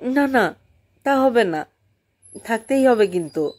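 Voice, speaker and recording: A woman's voice: on the high side, animated, takes it slowly, darkish tone, pitched above the performer's own voice. A woman storyteller voicing a distraught, secretive married woman who speaks in an urgent, imploring and emphatic way. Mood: insistent.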